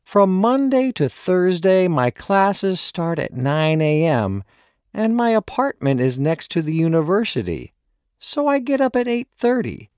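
Slow, animated man reading lesson dialogue. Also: high voice, dry recording, studio quality. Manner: slow, clearly enunciated. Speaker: dialogue reader. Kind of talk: scripted language-lesson dialogue.

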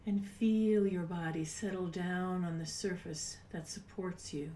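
A woman in her sixties leading a guided meditation in a soft, breathy, unhurried voice with long pauses, at times near a whisper. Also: fairly low pitch, steady tone. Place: small home room, indoors. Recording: roomy, distant mic with background noise.

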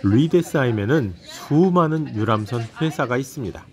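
A man narrating a travel vlog in a calm voice-over with light humor. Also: medium pitch, normal speed.

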